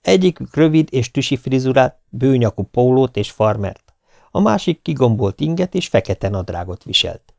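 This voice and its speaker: A man from Hungary narrating a short story audiobook in a steady, measured way. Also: mid-range voice, creaky, no room sound. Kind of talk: scripted narration.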